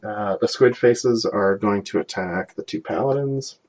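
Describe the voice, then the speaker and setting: Slow, low-voiced man narrating a game. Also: a little mellow, dull audio, a little hiss or hum. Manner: halting, repetitive, filler-heavy phrasing. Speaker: game master and producer. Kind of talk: improvised game narration and table chat.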